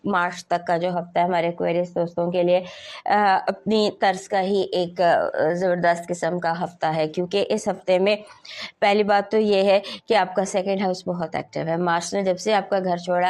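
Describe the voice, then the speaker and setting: A woman's voice: on the low side, steady tone, normal speed, darkish tone. Chatty woman astrologer, Pakistani Urdu accent. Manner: conversational, mixes English phrases, many hesitations. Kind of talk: weekly horoscope talk.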